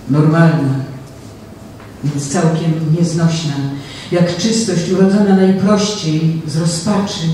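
A middle-aged woman reciting poetry in a slow, measured, solemn way on a small stage with a handheld mic. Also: on the low side, dark tone, slight background noise. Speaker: poetry reader. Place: small venue on a stage before an audience. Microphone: handheld mic, from a distant camera. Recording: very echoey room heard from far off.

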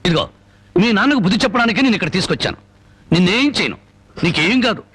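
A man's voice: high-pitched, animated, quick pace, a bit bright, breathy edge, dry recording, exaggerated voice. An actor playing a fiery, defiant man who confronts a village elder and mocks a kidnapped girl, in a film soundtrack with music behind. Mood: mocking. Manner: fierce, mocking speeches. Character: fiery defiant male avenger Rambabu. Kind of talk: Telugu film drama acting.

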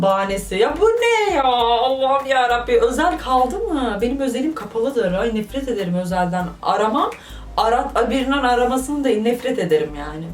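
Brief: young woman vlogger, exclamatory comic commentary, recorded at a distance from the mic. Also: fairly high pitch. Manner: animated, joking, exclamatory. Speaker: vlogger reading viewer stories. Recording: roomy, voice from off the mic.

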